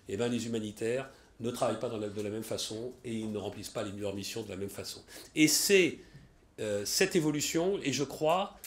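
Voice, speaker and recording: A man hosts a conference and introduces the evening's speaker. His voice sits mid-range. He speaks formally but hesitates now and then. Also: mid-range voice. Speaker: conference host.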